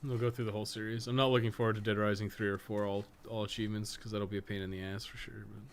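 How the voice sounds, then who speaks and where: Low-voiced man rambling over clear background noise. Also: flat delivery, rapid-fire. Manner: opinionated, rambling, profane, thinking aloud. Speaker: game streamer and guide maker. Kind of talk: casual gameplay livestream commentary.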